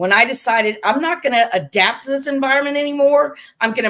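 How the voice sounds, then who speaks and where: A woman with an American accent speaks at a very fast clip. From Virginia and Missouri, US. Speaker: motivational speaker, former prisoner. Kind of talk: interview.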